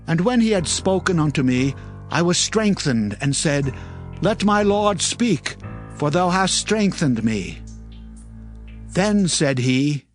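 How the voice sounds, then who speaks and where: Awestruck prophet, lighter high-set voice, reverent and solemn, soft music underneath. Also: male voice, expressive, slow. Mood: humble, pleading. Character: humble, awestruck prophet recounting his visions. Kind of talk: dramatized scripture narration. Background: background music.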